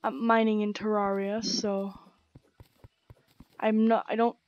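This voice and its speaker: A young woman with a croaky, sore throat, rambling casually as she plays and comments on a game, full of slang and fillers. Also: mid-range voice, flat delivery, slow, a little mellow, muffled recording. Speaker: gaming channel host. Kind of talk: casual let's-play commentary. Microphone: gaming headset.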